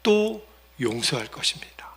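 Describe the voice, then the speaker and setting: A male pastor voicing an imprisoned elder who answers in a hushed, calm and firm whisper. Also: on the high side, moderate pace. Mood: steadfast. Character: imprisoned male church elder, quietly steadfast.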